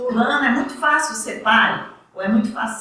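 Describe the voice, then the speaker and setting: A woman speaks at a fairly high pitch with lively intonation, over noticeable background noise and audible room echo. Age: 60s. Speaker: spiritist lecturer, retired educator. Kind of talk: lecture.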